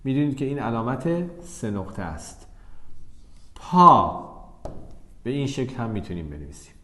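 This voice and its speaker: A man teaching the Persian script in a video lesson, dictating words slowly and drawing them out between quicker instructions. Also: mid-range voice, big pitch swings, darkish tone. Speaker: language teacher. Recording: roomy echo.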